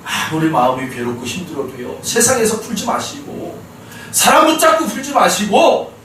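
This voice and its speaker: A male pastor preaching a sermon in an animated storytelling way, often addressing the congregation. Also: sits high, moderate pace, a little hiss or hum. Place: church sanctuary. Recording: very echoey church hall, mic far off.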